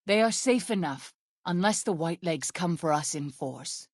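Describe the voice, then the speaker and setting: An actress playing an earnest, devout tribal midwife and healer in a video game, speaking in formal, measured, reverent phrases. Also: female voice, fairly low pitch, expressive, a little mellow, no echo, studio quality. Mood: earnest, concerned. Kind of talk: video game character dialogue.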